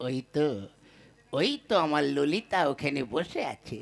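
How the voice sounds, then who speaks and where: A man's voice: a little high, lively intonation, a little slow, gravelly, over loud music. A man playing a henpecked, boastful young labourer in love in a Bengali folk puppet comedy, with wheedling, blustering patter. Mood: wary.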